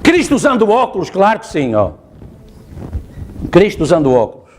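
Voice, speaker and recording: A man's voice: high-pitched, huge pitch swings, normal speed, a little mellow, slight background noise. A male pastor with a European Portuguese accent, preaching emphatically and repeating his phrases. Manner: emphatic, repeats phrases, asks the congregation "está a ver?". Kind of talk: sermon. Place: church.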